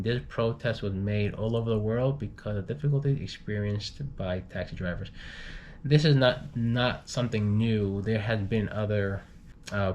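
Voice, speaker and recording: A man with a fairly low voice reads news updates informally, adding his own comments. He reads haltingly and often repeats words. The recording is noisy, with some low rumble behind him. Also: darkish tone. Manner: halting, stumbles and repeats words while reading. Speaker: news reader for an expat community channel.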